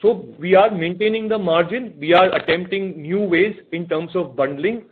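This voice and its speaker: A fairly high, husky male voice with an Indian accent comes over a narrow phone line. He is an executive fielding questions on a conference call, and he talks in halting stretches with repeated phrases. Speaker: company executive answering analysts. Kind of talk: earnings call answers, unscripted. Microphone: telephone conference call.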